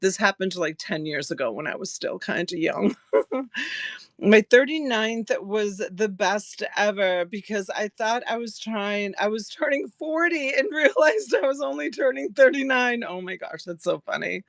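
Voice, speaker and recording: A woman's voice: mid-range voice, lively intonation, normal speed, creaky, no echo. A woman in her early sixties chatting with viewers while selling jewelry live, laughing often and thanking buyers by name. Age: 60s. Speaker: live-stream jewelry seller. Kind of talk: casual live-selling chat.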